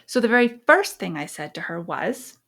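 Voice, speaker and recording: A middle-aged American woman sharing personal stories and parenting advice as a podcast host, phrasing things emphatically with deliberate pauses. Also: on the low side, sing-song, fairly bright tone. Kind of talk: conversational advice and personal storytelling.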